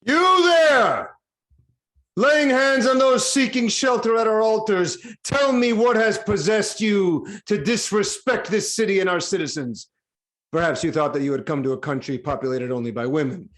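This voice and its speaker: A man's voice: high voice, normal speed, a bit bright. An actor playing a proud, commanding king in a Greek tragedy reading, speaking with stern, declamatory authority. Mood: outraged. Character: proud, commanding king defending suppliants of his city. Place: online video-call reading.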